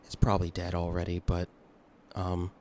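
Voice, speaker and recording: A man playing a lonely, resigned dead climber in a tabletop game, halting, subdued and unsure. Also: low voice, completely flat delivery, a little mellow, a little hiss or hum, close to an everyday voice.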